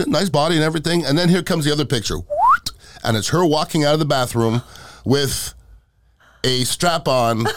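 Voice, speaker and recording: A man's voice: a little high, fairly bright tone, slight background noise. A middle-aged man chatting casually and telling comic stories, blunt and emphatic, often repeating himself to drive a point home. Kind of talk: casual comic chat and storytelling.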